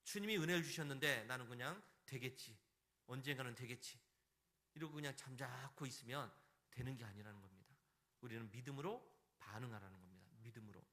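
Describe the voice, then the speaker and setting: A male pastor preaching a Sunday sermon in a church, emphatic and animated, acting out the quoted voices in the story. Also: medium pitch, fast. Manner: emphatic, acts out the crowd's and the beggar's lines. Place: church sanctuary.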